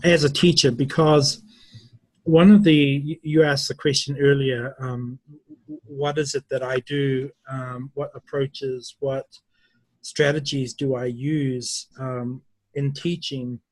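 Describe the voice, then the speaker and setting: A middle-aged man from New Zealand, a university English teacher, answering interview questions slowly and thoughtfully, with many pauses. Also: on the high side, no echo, low-quality recording.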